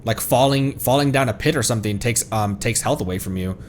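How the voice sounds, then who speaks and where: A man doing casual live gameplay commentary, excitable and playful, talking to himself and to the game as he plays. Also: mid-range voice, fairly quick, a little hiss or hum. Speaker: streamer playing a video game.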